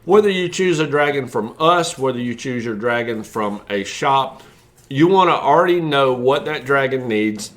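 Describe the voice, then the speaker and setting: A man's voice: mid-range voice, lively intonation, normal speed, fairly bright tone. A man who breeds reptiles, explaining care tips in a casual, folksy way with many fillers.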